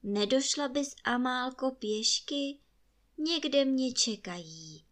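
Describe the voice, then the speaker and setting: A gentle, downcast male stag in a bedtime storybook, speaking slowly and a little higher than plain talk, as a woman reader puts him on. He sounds sorrowful. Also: animated. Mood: sad. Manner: sorrowful, slow.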